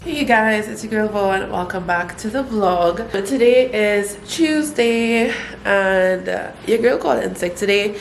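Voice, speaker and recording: A woman's voice: mid-range voice, measured pace, gravelly, over music. A young woman from Trinidad with a Trinidadian accent, chatting casually in a home vlog while stuffy and congested, with lots of fillers. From Trinidad and Tobago. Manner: relaxed, chatty, frequent fillers. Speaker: vlogger. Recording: echoey room, faint ambient noise.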